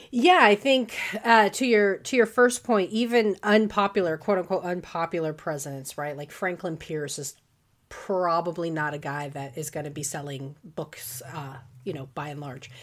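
A woman with a fairly low pitch and an ordinary speaking voice, moderate pace, big swings in loudness, on a very clean recording with a silent background. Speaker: civics podcast host. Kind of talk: casual chat.

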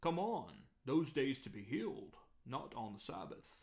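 In a put-on character voice, a man at a medium pitch talks at a moderate pace, his pitch swinging very widely and his loudness swinging greatly. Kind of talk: religious, preachy. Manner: pompous, solemn.

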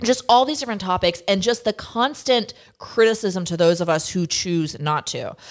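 A woman with a plain, everyday voice talks at a moderate pace in a medium pitch with lively intonation. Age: 40s. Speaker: podcast host and makeup artist. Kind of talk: casual chat.

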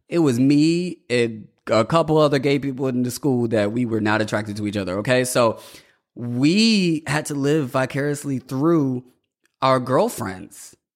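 A man with an American accent at medium pitch, ordinary pitch variation and moderate pace, on a very clean recording with a silent background. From US South, southern Virginia (Portsmouth, Chesapeake). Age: 20s. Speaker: podcast host. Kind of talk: personal monologue.

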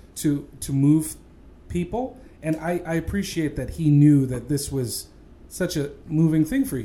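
Using a normal speaking voice, a man talks at a fairly slow pace with a fairly high pitch and lively intonation. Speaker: podcast co-host. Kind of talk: casual interview chat.

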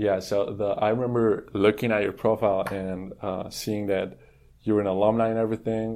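A fairly low-pitched man with a Spanish accent, a dark, mellow tone, monotone, flat intonation and a fairly quick pace against a quiet background. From Colombia. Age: 20s. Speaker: podcast host, business student. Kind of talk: interview.

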